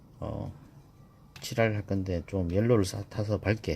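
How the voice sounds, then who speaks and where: This man has a very deep, low voice with a dark, mellow tone and ordinary pitch variation. It sounds somewhat breathy. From Gyeongsang region, South Korea. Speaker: art instructor. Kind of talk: drawing tutorial. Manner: halting, many fillers.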